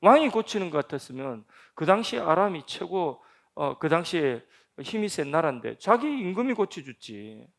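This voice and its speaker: A male pastor preaching in a church, voice pitched a little high and swinging widely up and down. His tone has a gravelly edge. He keeps pressing the congregation with rhetorical questions. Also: sing-song, moderate pace, fairly bright tone. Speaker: senior pastor. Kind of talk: sermon at a Friday prayer meeting. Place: church sanctuary.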